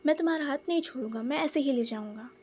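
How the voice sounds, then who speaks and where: A woman's voice: high-pitched, quick pace, darkish tone, natural voice. A woman voicing a bold young man who teases and dotes in an insistent, playful way. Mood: teasing.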